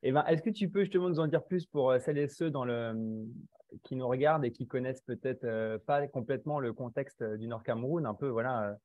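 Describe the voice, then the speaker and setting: A man hosting an online live interview, friendly and quick to laugh, with frequent hesitant fillers. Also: medium pitch, dry recording. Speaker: host. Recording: dull, dry sound.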